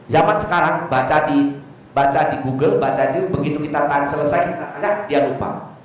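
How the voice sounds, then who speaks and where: A man's voice: on the high side, brisk. A man over fifty giving a joking Buddhist sermon in a temple hall, often asking the audience for agreement. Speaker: Buddhist Dhamma speaker. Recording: echoey hall, distant mic.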